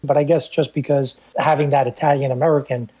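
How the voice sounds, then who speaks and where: Breathy New man, 50s, earnest podcast co-host sharing memories. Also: mid-range voice, steady tone, fast talker, mellow, low-quality recording. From the Bronx, New York. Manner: earnest, reminiscing, repeats words as he starts sentences. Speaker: guest host. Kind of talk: casual podcast chat.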